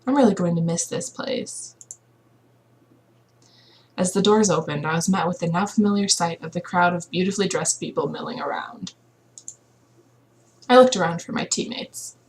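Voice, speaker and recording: A woman voicing a young heroine who narrates her romance story in a measured read-aloud of a visual novel. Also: on the low side, lightly acted, rough recording. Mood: wistful.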